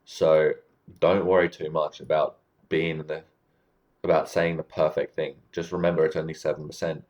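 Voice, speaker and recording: Guy w a really deep voice coaching ppl on how to talk, chill explainer vibe, keeps going "right?". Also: moderate pace, dull audio. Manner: relaxed, explanatory, checks in with "right?". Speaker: communication coach. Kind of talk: casual advice talk to camera.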